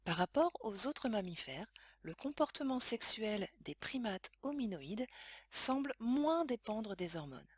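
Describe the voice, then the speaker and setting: A woman reading scripted science lesson narration in a measured, explanatory way. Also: a little high, big pitch swings, husky, dry recording, studio quality. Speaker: educational narrator.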